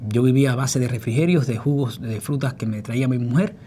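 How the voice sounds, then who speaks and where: A man's voice: mid-range voice, brisk, dark tone, slight background noise. A middle-aged man with a Cuban Spanish accent, giving earnest personal testimony and acting out other people's words. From Cuba. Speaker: former political prisoner recounting his story.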